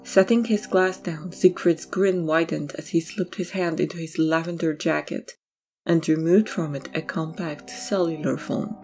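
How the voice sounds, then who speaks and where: Mellow, low-voiced woman narrator. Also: fairly even intonation, moderate pace, faint music behind. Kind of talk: scripted dramatic narration.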